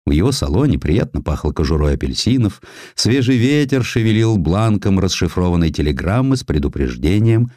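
A man narrating a scripted historical essay as an audiobook, telling it in an expressive, measured, literary manner. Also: low-pitched, no echo, clean studio sound. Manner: expressive, measured storytelling delivery.

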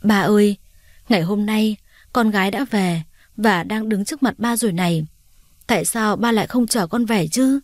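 A tearful young woman comes home after years away, voiced by a female narrator. She speaks in a pleading, emotional voice at a middling pitch. The sound is dry and close. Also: a little mellow, no room sound, natural voice.

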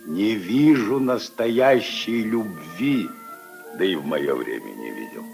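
An actor playing an old retired general, a gruff but kindly grandfather figure who reminisces and grumbles wryly, in a 1950s radio play. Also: lowish voice, expressive, takes it slowly, a little mellow, faint music behind, full character voice. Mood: wry grumbling. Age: older. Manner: wry, reminiscing, grumbling storyteller.

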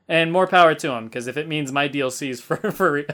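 A man's voice: a little high, brisk, fairly bright tone. A young man hosting a gaming podcast, talking in a loose, rambling way with fillers and the odd swear. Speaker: podcast host. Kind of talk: casual gaming podcast chat.

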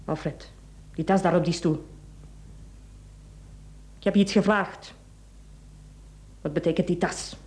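Bossy flemish wife in a radio drama, cold, clipped, totally in control. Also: female voice, lowish voice, steady tone, slow, pauses often, a little mellow. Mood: stern, accusing. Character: cold, calculating, domineering wife taking charge of a crime. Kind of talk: Dutch-language radio play acting.

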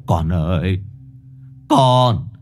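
A man's voice: sits low, lively intonation, drawn-out words, soft background music, pitched below the performer's own voice, exaggerated voice. A man playing a grieving old father who stammers, choked with tears. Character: grieving old father stammering after his dead son.

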